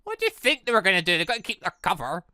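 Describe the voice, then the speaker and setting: A man's voice: sits high, wildly swooping pitch, very fast, bright, forceful tone, no room sound, studio quality, voice pushed up, exaggerated voice. A man reading the visual novel lines of a wary, cheeky young female henchwoman. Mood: defensive. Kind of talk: reading visual novel game dialogue in character.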